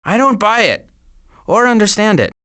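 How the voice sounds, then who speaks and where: Cautious turtle worrier for an animated game: exasperated, wry, highly varied intonation. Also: male voice, normal speed. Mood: wry, fretful. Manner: fretful, wry grumbling. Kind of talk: animated video game voice acting.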